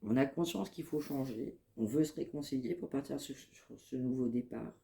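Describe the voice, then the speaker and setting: A woman with a head cold giving a spoken psychic reading to her viewers, in calm, measured, repetitive phrasing. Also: a bass voice, creaky. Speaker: medium giving a card reading.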